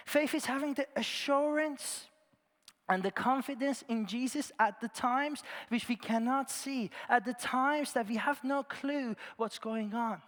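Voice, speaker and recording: A man from Iran, preaching a sermon in an earnest storytelling way, his phrases often trailing off softly at the ends. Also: very high-pitched. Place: large church. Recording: long church reverb.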